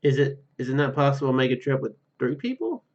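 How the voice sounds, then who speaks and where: A man doing a let's play, reading story text aloud haltingly and dropping in casual asides. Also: mid-range voice, sing-song, highs cut off. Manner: halting, stumbles over read words. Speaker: gaming YouTuber.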